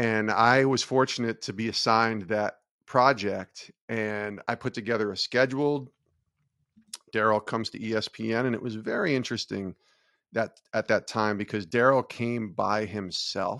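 A man speaks in a bright, sharp tone at a medium pitch and a fairly slow pace, with fairly even intonation. The sound is dry and close with no echo, over a quiet background. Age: 40s. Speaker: sports media director and podcast host. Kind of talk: interview.

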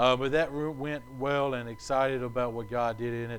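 Audible room echo surrounds a man talking at a fairly quick pace and medium pitch. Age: 20s. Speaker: pastor. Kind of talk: sermon. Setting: church.

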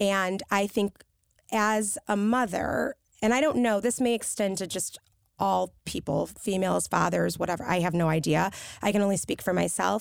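In a very clean recording with a silent background, a woman with an American accent and an unremarkable speaking voice talks at a moderate pace, with very even loudness and ordinary pitch variation. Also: medium pitch for a woman. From US Midwest, Chicago suburbs. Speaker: family photographer. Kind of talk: interview conversation.

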